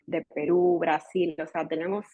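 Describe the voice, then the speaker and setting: A woman's voice: sits low, level tone, normal speed, breathy edge, no room sound. Young Sevillian woman, Andalusian accent, dentist guest, chatty, sprinkles English words into her Spanish; dull, dry recording. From Spain. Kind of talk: casual podcast interview.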